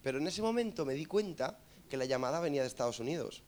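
A man with a Madrid accent preaching through a funny story, animated and joking, asking listeners for amens. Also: on the high side, fast talker. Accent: Madrid Spanish. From Spain. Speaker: preacher and musician. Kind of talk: humorous storytelling sermon.

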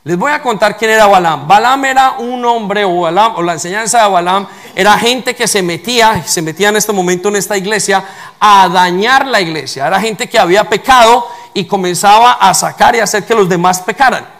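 A man delivers a sermon as a pastor, speaking with a fairly high-pitched voice. He preaches emphatically and keeps turning to the congregation with rhetorical questions. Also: a little fast, a bit bright.

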